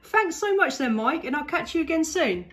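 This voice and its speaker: Enthusiastic woman, higher voice. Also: animated, moderate pace, very noisy. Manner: enthusiastic, effusive. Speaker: CB radio operator. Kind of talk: casual radio contact chat. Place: indoors at a home radio set.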